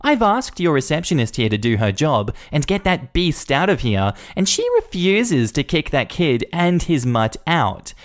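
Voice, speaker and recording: A man's voice: on the high side, sing-song, measured pace, few pauses, pitched above the performer's own voice. A man voicing a rude, entitled middle-aged woman who screeches and sneers at everyone. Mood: indignant.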